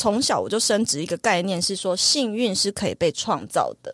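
Lively intonation marks this woman's medium-pitched voice at a moderate pace. The recording is very clean, with a silent background. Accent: Taiwanese. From Taiwan. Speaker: podcast host. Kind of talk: casual chat.

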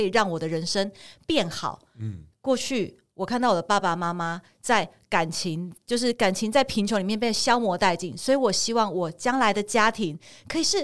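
This woman has an ordinary speaking voice with medium pitch and lively intonation. She talks at a moderate pace on a very clean recording with a silent background. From southern Taiwan. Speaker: author and business consultant. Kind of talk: podcast interview.

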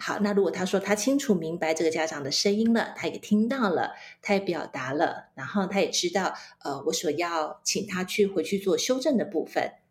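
A somewhat breathy woman's voice in a Taiwanese accent, medium-pitched, with lively intonation at a moderate pace. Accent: Taiwanese Mandarin. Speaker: corporate trainer and podcast host. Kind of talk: interview.

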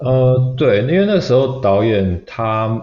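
A man speaks, and audible room echo can be heard around his voice. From Taiwan. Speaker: visual effects artist. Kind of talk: casual interview.

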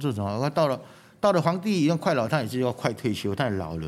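A man at a medium pitch rattles along at a very fast pace with lively intonation. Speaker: Taoist priest. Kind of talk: interview, explaining customs and telling old stories. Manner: halting, many filler sounds.

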